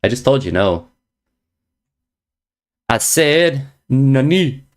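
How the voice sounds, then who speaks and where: Very animated yet slow, this medium-pitched man streams chess and chats with viewers, reading their messages and playfully teasing them with repeated slang jokes.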